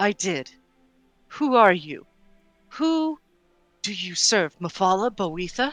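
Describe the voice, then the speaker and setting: A female-sounding, put-on character voice growls at a middle pitch with very wide pitch swings, a fairly slow pace and long, frequent pauses, over faint music in the background. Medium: actual play. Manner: bitter, growling.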